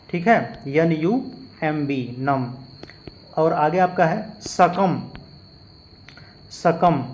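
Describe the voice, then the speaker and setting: A man teaching a lesson, patiently explaining and spelling out words letter by letter. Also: on the high side. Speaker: English teacher. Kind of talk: spoken lesson with spelled-out examples.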